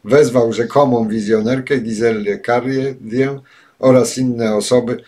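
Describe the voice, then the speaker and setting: An older man giving spoken commentary and reading passages aloud, pausing often with filler sounds, recorded at a desk webcam in a home study. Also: medium pitch, fairly even intonation, darkish tone. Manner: halting, many filler sounds. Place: home study with bookshelves, indoors.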